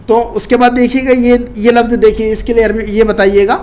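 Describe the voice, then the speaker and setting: A man's voice: extremely high pitch, fairly even intonation, a little mellow. A man teaching an Arabic class to Urdu speakers, drilling words by repetition and stressing careful pronunciation. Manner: repeats phrases slowly and stresses pronunciation.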